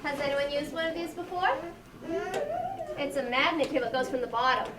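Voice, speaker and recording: A woman's voice: high-pitched, brisk. A woman hosting a library event, casually addressing children and families. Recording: echoey, distant mic, noisy room.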